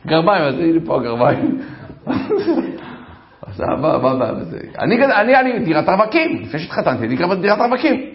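A man's voice: high-pitched, big pitch swings. A man in his forties giving a humorous talk on marriage, telling stories about himself and speaking straight to his listeners. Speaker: lecturer on marriage and self-improvement. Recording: roomy echo, dull lo-fi sound.

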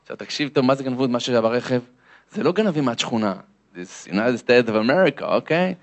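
Lively man telling a comic story. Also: mid-range voice. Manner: lively comic storyteller, acts out voices and sounds. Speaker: lecturer. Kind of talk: animated storytelling to an audience.

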